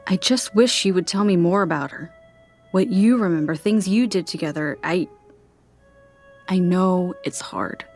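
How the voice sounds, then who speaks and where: A woman acting as a caring, searching young niece, hesitant and gently pleading, in a naturalistic audio drama. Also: lowish voice, a little slow, soft background music.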